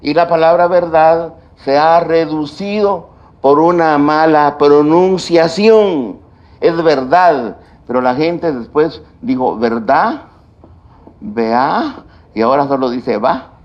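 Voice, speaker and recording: A man giving a university lecture on grammar, speaking deliberately and listing points one by one. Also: fairly high pitch, darkish tone, highs cut off. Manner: slow, deliberate delivery with stretched pauses and lists. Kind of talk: classroom lecture on grammar and writing.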